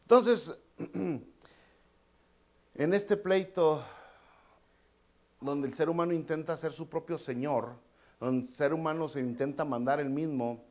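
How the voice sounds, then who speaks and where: Preaching man, fairly high. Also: darkish tone. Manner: conversational preaching with colloquial asides and repeated phrases. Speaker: pastor. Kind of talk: sermon.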